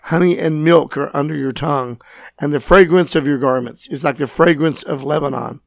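A man with a scratchy, hoarse voice, teaching and reading scripture as host of a Bible program. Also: fairly high pitch, normal speed, no room sound, clean studio sound. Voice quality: scratchy, raspy. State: hoarse from voice loss, recovering.

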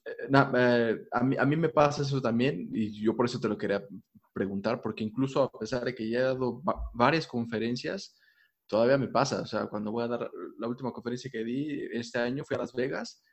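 A man hosting a casual remote conversation, asking questions in a relaxed, easygoing way. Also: medium pitch, a little fast. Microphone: video call.

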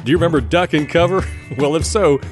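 A man's voice: a little high, brisk, music in the background. A man hosting a program with scripted links, in a folksy, florid manner. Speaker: radio program host. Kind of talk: scripted host links between comedy clips.

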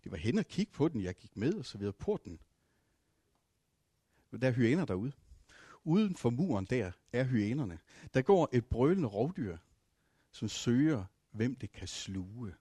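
A preacher tells his stories in a husky, breathy voice. He swings from loud bursts to near whispers, with fillers and restarts. The room sounds dry and close. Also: medium pitch, big pitch swings, long pauses, no room sound. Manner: dramatic swings from loud to hushed. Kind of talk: sermon with travel stories.

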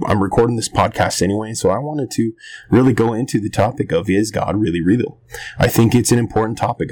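Raspy pastor guy on a podcast, deep gravelly hoarse voice, stops and starts looking for words. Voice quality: raspy, rough voice that is partly lost. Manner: halting, searching for words. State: hoarse, losing his voice. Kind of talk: casual podcast teaching.

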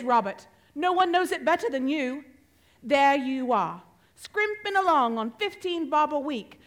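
Woman as high-voiced, indignant poor wife. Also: fairly bright tone. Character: indignant, loyal wife and mother of poor family. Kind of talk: stage radio play acting.

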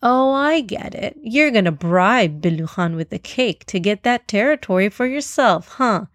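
A woman's voice: medium pitch, expressive, unhurried, no echo. Woman as a big male elephant, bossy, boastful, sarcastic, children's storybook, dry recording. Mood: suspicious. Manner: pompous, sarcastic, commanding.

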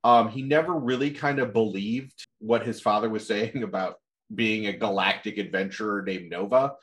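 A man's voice: on the low side, moderate pace. A man hosting a casual podcast, animatedly retelling a comic story and laughing as he talks. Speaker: podcast host. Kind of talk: casual comic recap chat.

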